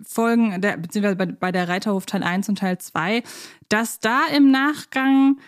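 A woman's voice: medium pitch, normal speed. A woman co-hosting a podcast in casual chat, talking like an enthusiastic fan who thinks aloud. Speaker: podcast co-host. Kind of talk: casual chat about children's audio plays.

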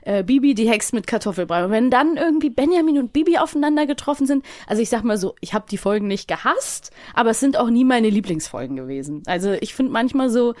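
A woman's voice: a little high, lively intonation, fast talker, hardly any pauses, darkish tone, no room sound. Woman chatting, close dry sound. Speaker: podcast guest and voice actor. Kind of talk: casual podcast chat.

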